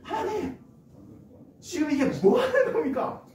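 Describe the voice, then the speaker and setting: A man voicing an angry adult male prophet who shouts his complaints in a high, strained voice. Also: very animated, a little slow, exaggerated voice. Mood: indignant. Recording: echoey church hall from far off, background noise.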